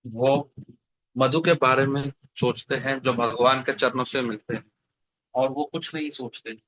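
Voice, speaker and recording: A man delivers a devotional sermon in a storytelling way and often puts questions to his listeners. His voice sits at an ordinary middle pitch. It comes through a dry, slightly dull online call with no room sound. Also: fairly even intonation, measured pace, a bit bright, dry recording. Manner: storytelling, asks the audience questions. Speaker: scripture speaker. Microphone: online video call.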